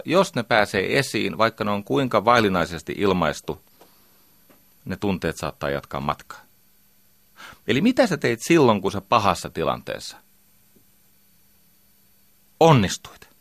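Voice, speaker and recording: A man's voice: fairly low pitch, big pitch swings, creaky, long pauses, a bit bright, dry recording, clean studio sound. A middle-aged man giving a lecture as a communication trainer, emphatic and full of rhetorical questions.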